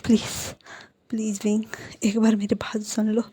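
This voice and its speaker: A remorseful young man begs softly for forgiveness, put on by a woman reader. His voice is quiet, mellow and half whispered. The pitch sits a little high in this storybook fan fiction reading. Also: fairly even intonation, unhurried, slightly rough. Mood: pleading. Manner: soft, pleading, half whispered.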